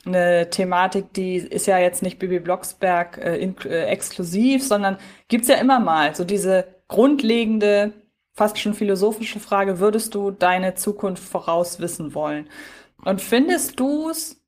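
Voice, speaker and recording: A woman's voice: mid-range voice, measured pace, a little mellow. Reflective woman chatting on a podcast. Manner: reflective, wordy, thinking aloud. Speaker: podcast co-host. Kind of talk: casual unscripted review chat.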